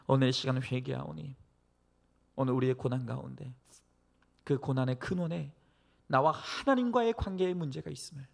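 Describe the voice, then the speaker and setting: A male pastor preaching and praying earnestly to a congregation, exhorting them with phrases that swell from hushed to emphatic. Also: fairly high pitch, creaky. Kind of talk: sermon and prayer to a church congregation.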